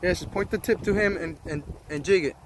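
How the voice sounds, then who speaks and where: A young man vlogging while fishing outdoors, excitable and coaching someone, exclaiming as fish bite. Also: sits high, brisk. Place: outdoors by a canal. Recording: outdoor noise on camera mic.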